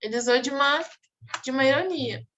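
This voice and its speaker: A woman teacher walks her students through exam answers, pausing often to make sure they follow. Her voice sits a little high, and she explains patiently. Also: a bit bright, a little hiss or hum. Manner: explanatory, checks in with "tá bom?". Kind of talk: online exam review class.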